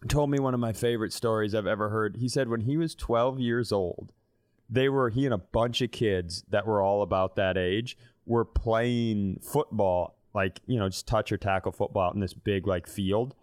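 A man in his mid-thirties co-hosts a comedy podcast, telling animated, casual comic stories that are blunt, full of swearing, and peppered with acted-out quotes. His voice is fairly low and his pace moderate.

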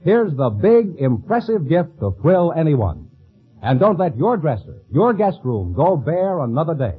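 A man's voice: on the high side, very animated, a little slow, husky. A man working as a radio announcer, reading in a polished, salesmanlike mid-century style. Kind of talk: 1950s radio announcing and sponsor copy. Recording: muffled vintage radio recording, faint music.

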